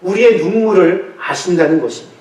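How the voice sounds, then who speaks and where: A man pastor preaching a sermon in earnest, emphatic, drawn-out phrases. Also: sits high, a little mellow. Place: church sanctuary. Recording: echoey church, voice from far off.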